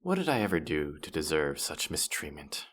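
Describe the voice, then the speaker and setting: A man's voice: very deep voice, very animated, moderate pace, a bit bright, slightly rough, heavily acted. A man playing a boastful, teasing demon who guides souls through the afterlife, playful and smug in a fantasy audio roleplay. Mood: mock-offended. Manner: playful, smug, mock-offended, hesitating mid-thought. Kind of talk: scripted character audio roleplay addressed to the listener.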